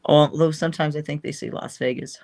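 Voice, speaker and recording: A woman's voice: low voice, fairly even intonation, fairly quick, a little mellow. A woman guest chatting casually in an interview, rambling and trailing off, laughing often.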